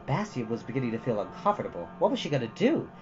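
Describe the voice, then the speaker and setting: A man reading a storybook aloud as host, with expressive narration and the odd casual aside. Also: medium pitch, quick pace, highs cut off, faint music behind.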